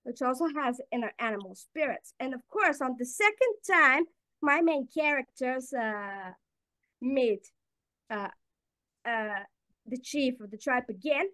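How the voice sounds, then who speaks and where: A high-pitched woman in her twenties from Bulgaria, speaking English as a second language after native Bulgarian. Her voice is bright and sharp, and she talks in a halting way with frequent fillers and restarts. The recording is dry and close. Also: dry recording. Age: 20s. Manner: halting, many fillers, laughs. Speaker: panel guest. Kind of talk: casual chat.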